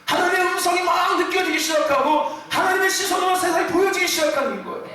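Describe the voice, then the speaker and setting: A man's voice: very high voice, quick pace. A male pastor preaching a Sunday sermon with passion, often raising his voice and laughing as he tells his story. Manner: impassioned, often shouting and laughing mid-phrase. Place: church sanctuary. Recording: echoey church hall from far off.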